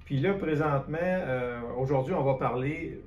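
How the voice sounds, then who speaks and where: A man's voice: medium pitch, normal speed, darkish tone, highs cut off. A man with a Quebec French accent hosting a conversational interview, recapping and checking with short questions. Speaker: host, renovation contractor interviewing a guest. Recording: roomy echo, noticeable background noise.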